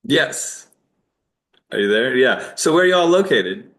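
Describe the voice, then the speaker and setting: A man's voice: medium pitch, sing-song, takes it slowly, a bit bright. A man from Virginia with an American accent, chatting informally as an interview guest, meandering with false starts. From Virginia, United States. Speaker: interview guest, documentary filmmaker. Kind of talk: casual chat.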